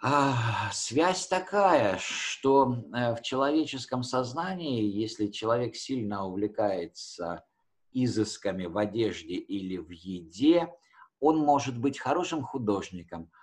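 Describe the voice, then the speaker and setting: A man's voice: mid-range voice, lively intonation, unhurried. A man teaching history conversationally, explaining with hesitations and rephrasing his key words as he goes.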